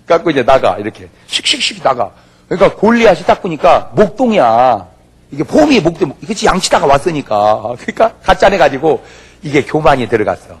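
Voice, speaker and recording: A man's voice: a little high, moderate pace, breathy edge. A man, preaching a humorous revival sermon and acting out the people in his stories. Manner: animated storytelling, acts out characters and shouts. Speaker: pastor.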